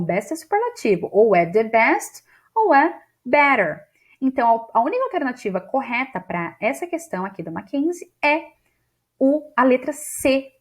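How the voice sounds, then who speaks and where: A woman from Brazil teaching English grammar in an exam-prep lesson, explaining step by step and reading English sentences aloud slowly. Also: on the high side. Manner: explains step by step, often ends with "né?" and "tá?".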